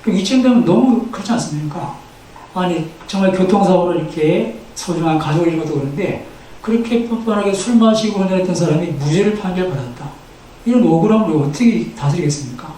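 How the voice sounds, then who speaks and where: A man's voice: sits high, animated, fast talker, warm tone, recorded from a distance, a little hiss or hum. A male pastor delivering a sermon, asking rhetorical questions and leading the congregation to repeat phrases after him. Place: church sanctuary. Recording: echoey church hall, from the mic.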